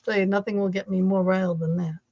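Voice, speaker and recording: A woman's voice: mid-range voice, fairly even intonation, fast, warm tone, no room sound, dull audio. Enthusiastic Boston-accented woman co-host. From Massachusetts. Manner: enthusiastic, laughs often, harsh-sounding delivery. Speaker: podcast co-host. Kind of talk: casual chat.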